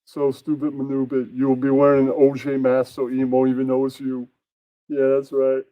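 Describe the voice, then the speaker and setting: A man's voice: medium pitch, monotone, normal speed, dark tone, dry recording, lightly acted, low-quality recording. A man voicing a bossy, smug mafia boss puppet, rambling through improvised comedy with self-satisfied catchphrases.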